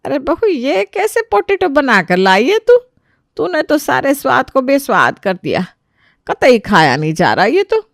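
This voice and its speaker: A woman's voice: high voice, big pitch swings, a little slow, gravelly, no echo, clean studio sound, pitched above the performer's own voice, exaggerated voice. A woman playing a bossy grandmother. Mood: complaining. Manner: bossy, hushing, sharp scolding. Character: scolding elderly grandmother, greedy for snacks. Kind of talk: storybook voice acting.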